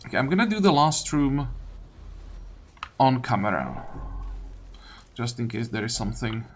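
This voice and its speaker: A man's voice: medium pitch, very animated, normal speed, slight background noise. A man giving casual game commentary, thinking aloud through his tactics in loose fragments. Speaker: gaming video creator. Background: game music.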